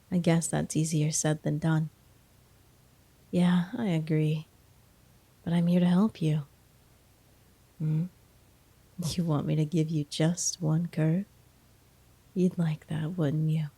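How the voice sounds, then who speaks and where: A woman playing a flirty, teasing college professor in a soft, breathy ASMR role-play. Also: low voice, no echo, heavily acted. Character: teasing, flirty female college professor, firm but amused.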